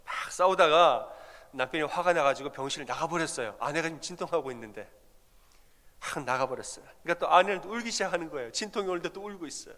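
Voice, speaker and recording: A man preaching from the pulpit with a somewhat high voice, telling a story in a chatty, conversational way and putting questions to the listeners. His voice rings out with a long reverb from the church sanctuary. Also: expressive, fast talker, bright, forceful tone. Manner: conversational, asks the congregation questions. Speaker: pastor. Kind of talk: storytelling sermon.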